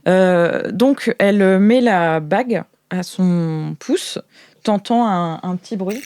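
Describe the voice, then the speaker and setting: A woman narrating an improvised tabletop game as game master, in a halting, informal storytelling manner. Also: fairly low pitch, darkish tone, clean tone, dry recording, studio quality.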